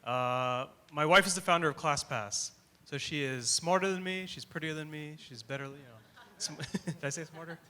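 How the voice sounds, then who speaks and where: A man moderates a panel with quick self-deprecating jokes. His voice is high for a man and very bright. He speaks into a handheld mic on a tent stage, picked up by a camera in the crowd. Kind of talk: joking moderation. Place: large tent stage before an audience. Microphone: handheld mic, far camera.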